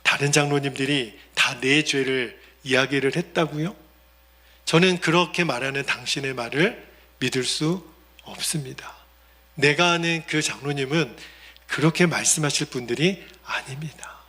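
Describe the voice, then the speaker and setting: A male pastor voicing an imprisoned elder who answers in a hushed, calm and firm whisper. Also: medium pitch, moderate pace, hardly any pauses, pitched below the performer's own voice, close to an everyday voice. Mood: steadfast. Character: imprisoned male church elder, quietly steadfast.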